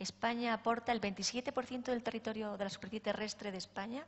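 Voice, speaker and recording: With fairly even intonation and a somewhat breathy quality, a woman talks at a moderate pace. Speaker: EU programme contact officer; speaker. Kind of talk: conference presentation. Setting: stage with audience. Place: stage.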